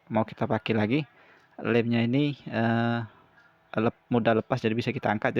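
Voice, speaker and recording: A man explaining a hands-on repair step by step in an informal, halting, repetitive way. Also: on the low side, muffled recording. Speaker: repair tutorial presenter.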